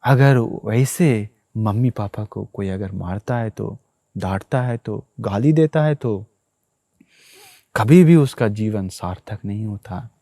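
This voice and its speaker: Monk guy preaching, low mellow voice, repeats himself a lot, talks straight to the crowd. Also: takes it slowly, no room sound. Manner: repetitive storytelling, addresses listeners directly. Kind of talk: sermon.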